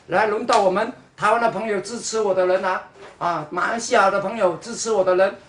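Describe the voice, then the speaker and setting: A man's voice: high voice, steady tone, fairly quick, a bit bright, reverberant, slight background noise. A man from Singapore with a Singaporean Mandarin accent sprinkled with Hokkien words, mocking his viewers in a livestream chat. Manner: mocking, sarcastic, mixes in Hokkien and English.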